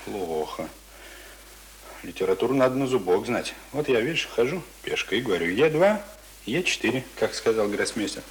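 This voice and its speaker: An actor playing a talkative, pompous middle-aged print worker in a Russian radio play, boasting in folksy colloquial speech. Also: male voice, on the low side, expressive, moderate pace, breathy edge. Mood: smug lecturing. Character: talkative middle-aged male print worker, self-important former drinker. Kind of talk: Russian radio drama acting.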